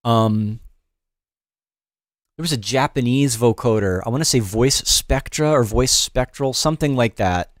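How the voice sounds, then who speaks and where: A man's voice: medium pitch, a little slow, dry recording. A middle-aged man hosting a loose, off-the-cuff livestream music production lesson from his studio, greeting chat viewers with many fillers and restarts. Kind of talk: casual livestream tutorial, chatting with viewers. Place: home studio in New York.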